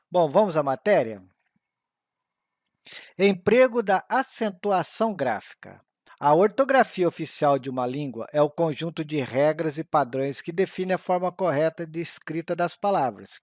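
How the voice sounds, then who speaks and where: A man reads an exam-prep grammar lesson, slowing down carefully over the examples. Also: fairly high pitch, no echo, studio quality. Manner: slow, careful reading of examples.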